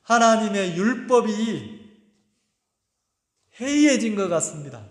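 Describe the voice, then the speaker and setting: A man's voice: high voice, very animated, slow. A male pastor preaching a sermon emphatically, firing rhetorical questions at the congregation. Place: church sanctuary. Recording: echoey church hall with long reverb.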